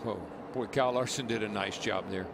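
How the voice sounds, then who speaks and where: A man's voice: fairly low pitch, fairly even intonation, brisk. A man giving informal motorsport commentary in a folksy, exclamatory way. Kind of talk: informal live race commentary. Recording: noisy race broadcast, engine roar. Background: race cars and outdoor track noise.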